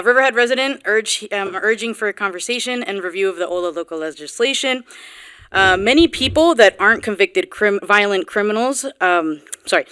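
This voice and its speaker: Earnest young woman with a smooth voice. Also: mid-range voice, fairly bright tone, dry recording. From Guatemala, raised on Long Island's East End. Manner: earnest, informal, halting with restarts. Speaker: local resident speaking at public comment. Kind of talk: public comment at a town board meeting. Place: town hall meeting room.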